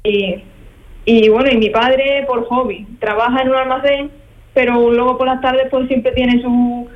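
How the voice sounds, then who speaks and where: On speakerphone from her workplace, a woman in her twenties gives plain, matter-of-fact answers in a phone interview. Her slightly high voice is unhurried with fairly even intonation, and the line sounds distant and dull.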